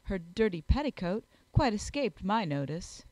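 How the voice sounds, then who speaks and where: An amiable young gentleman from a period storybook, played by a woman narrator. He is earnest, modest and courteous, with an animated rise and fall to his speech and a dry, close sound. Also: mid-range voice, moderate pace, dry recording, close to an everyday voice. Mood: gallant.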